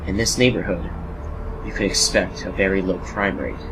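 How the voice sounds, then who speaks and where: A man's voice: sits low, steady tone, moderate pace, vocal fry, noisy background. A man reading scripted horror narration as the storyteller of an audio drama.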